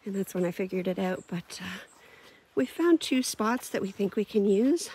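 A woman's voice: mid-range voice, lively intonation, moderate pace, darkish tone, slightly rough. A woman giving a casual, chatty camping vlog tour outdoors, with easy laughs and lots of fillers. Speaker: camping vlogger. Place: outdoors at a lakeside forest campsite.

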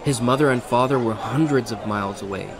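A man narrating a historical audio drama in a measured, scripted way. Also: medium pitch, crowd noise.

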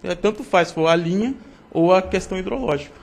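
Quick, methodical Brazilian man. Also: sits high, vocal fry, darkish tone. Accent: Brazilian Portuguese. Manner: explanatory, methodical, assertive. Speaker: regulatory board director. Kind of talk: deliberative meeting discussion.

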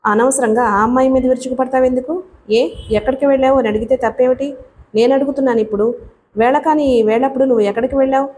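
A woman's voice: high voice, fairly even intonation, mellow, a little hiss or hum, natural voice. A woman reading an audiobook voices a domineering young man who confronts and questions. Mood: confronting. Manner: confronting, brisk.

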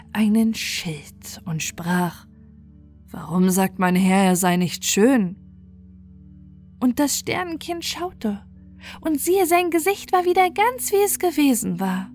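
Bedtime storyteller: woman, medium-pitched, scripted fairy-tale narration over music. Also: a little mellow.

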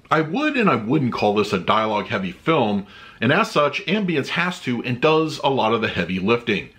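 A man in his thirties speaks in a mid-range, fairly bright voice while reviewing a movie disc in a home room with shelves of discs. He chats casually, then moves on to reading a written review aloud.

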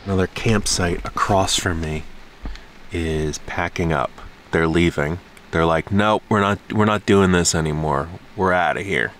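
A vlogger in his thirties talks glumly and low-key in a casual solo vlog, mocking himself as he sits in a parked car at night. The camera is close by, picking up his fairly bright voice at a slightly slow pace, with slight background noise.

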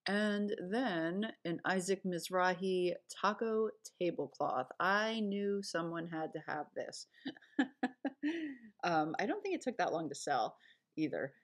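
A woman reseller casually recapping her recent sales over a screen recording, chatty and rambling with fillers and self-corrections. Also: low-pitched. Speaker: online reseller.

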